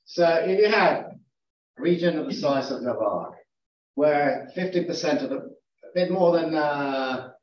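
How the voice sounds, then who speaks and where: A man's voice: a little high, expressive, unhurried, slight background noise. A man chairing an academic seminar, asking probing, argumentative questions from the floor. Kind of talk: academic Q&A discussion. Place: lecture room. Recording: echoey, distant, dull room recording.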